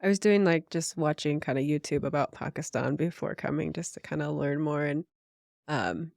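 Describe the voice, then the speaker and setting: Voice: medium pitch, animated, moderate pace, gravelly, darkish tone, dry recording, studio quality. A podcast host asking curious, encouraging questions in a casual interview chat. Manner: curious, encouraging, brief backchannels.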